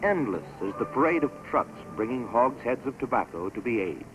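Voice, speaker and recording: A man giving scripted narration for a promotional documentary film in a measured, stately announcer delivery. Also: mid-range voice, big pitch swings, rough recording. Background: orchestral music score.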